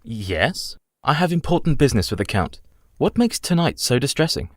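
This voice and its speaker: A man's voice: mid-range voice, big pitch swings, normal speed, no room sound, studio quality. A man playing a polite young English solicitor. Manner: polite, proper, increasingly nervous. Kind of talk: radio play acting.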